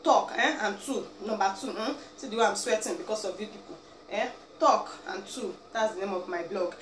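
A young Nigerian vlogger from Abia State, with an Igbo accent and a moderately paced mid-range voice, sits in a chair in a small indoor room ranting animatedly to a camera a few feet away. She's emphatic, pleading and scolding, peppered with "eh?" and "biko." The home recording sounds roomy, distant, and noisy.

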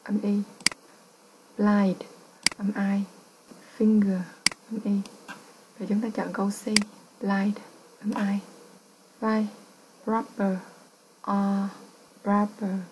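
A woman's voice: medium pitch, flat delivery, takes it slowly, long pauses, background noise. A woman English teacher with a Vietnamese accent, patiently explaining test answers and repeating each word.

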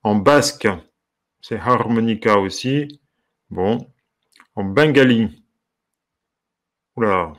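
A man's voice: fairly low pitch, takes it slowly, long pauses. Curious, amused male harmonica teacher. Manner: curious, amused, musing aloud with soft exclamations. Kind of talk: casual commentary while browsing.

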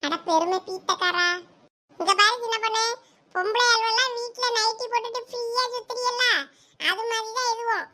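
A woman's voice: extremely high pitch, fairly even intonation, normal speed, sharp tone. A woman voicing a boastful, cheeky young village man in a lungi, in a comic skit. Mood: cocky. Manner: cheeky, show-off, mock-offended.

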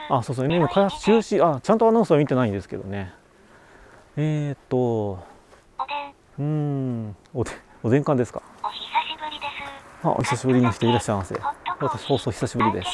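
A man's voice: medium pitch, animated, fairly quick, pauses often, background noise. A man live-streaming from a roadside on a bike trip, chatting casually and reacting to viewer comments. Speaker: cycling livestreamer. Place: roadside vending machine outdoors on a mountain road. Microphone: action camera and webcam.

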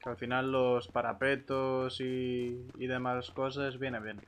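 A man's voice: medium pitch, level tone, slow pace, fairly bright tone, slight background noise. A man chatting casually in character while playing an online roleplay game, speaking into a close microphone.

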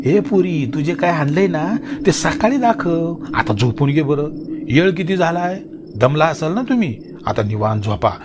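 A man voicing an affectionate middle-aged village mother who speaks softly and coaxingly. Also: a little high, expressive, normal speed, close to an everyday voice. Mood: tender. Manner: soft, coaxing. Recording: loud hiss with crickets.

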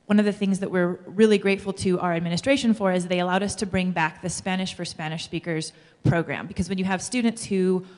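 A woman high school Spanish teacher giving an earnest conference talk into a handheld mic on stage. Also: steady tone, quick pace, few pauses, a little mellow. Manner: earnest, explanatory, uses fillers. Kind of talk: conference presentation. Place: large school hall, on stage. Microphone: handheld microphone. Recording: long reverb of a large hall.

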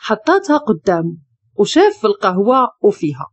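A woman with a Moroccan Arabic accent narrating a dramatic story in an expressive, emotional way. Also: mid-range voice, a little fast, breathy edge, dry recording, lo-fi sound.

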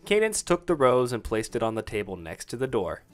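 A man's voice: mid-range voice, very animated, brisk, soft background music. A man narrating a romantic fan fiction story in a scripted, dramatic reading style.

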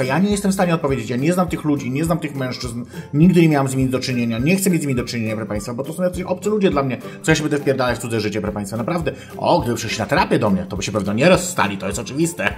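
A man's voice: mid-range voice, animated, racing, close to an everyday voice. A man playing a pompous, crude self-styled female sex therapist, lecturing in mock-scholarly tones and swearing, over faint background music. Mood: indignant. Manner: mock-scholarly lecturing, keeps addressing the audience formally, swears. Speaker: advice-show host. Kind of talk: comic character monologue.

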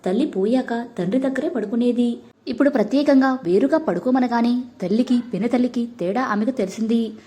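A woman narrating a family drama in a steady, measured storybook reading. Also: a little high, husky.

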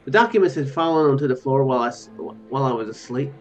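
A man's voice: medium pitch, expressive, fast. A man in his thirties reading game text aloud as a streamer, breaking off for musing, self-correcting commentary. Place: small room at home, indoors. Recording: dull lo-fi mic, music behind. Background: game music.

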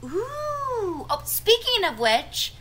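An actress in a comedic audio drama playing a ditzy, cheerful young witch, naive and excitable. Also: very high voice, drawn-out words, heavily acted. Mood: gleeful.

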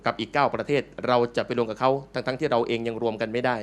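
A Buddhist monk giving a playful, joking dharma talk to a live audience in a large meeting hall. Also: male voice, mid-range voice, steady tone, quick pace.

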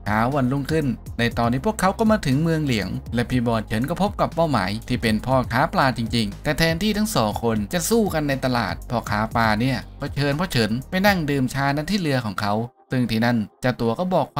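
A man narrates a film recap at a rapid clip, with a mid-range voice. His delivery is casual, slangy and joking, with a steady, lively narrating tone. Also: mid-range voice.

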